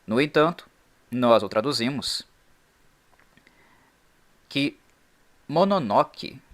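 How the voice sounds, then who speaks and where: A man hosting a channel, reading a scripted explainer in an expressive, emphatic way. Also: mid-range voice. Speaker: channel host.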